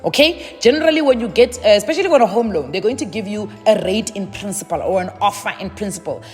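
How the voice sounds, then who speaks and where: A woman's voice: medium pitch, animated, quick pace, darkish tone, long reverb tail, soft background music. A woman, giving casual money advice in a chatty way with lots of "um"s and repeated words. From South Africa. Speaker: personal finance YouTuber.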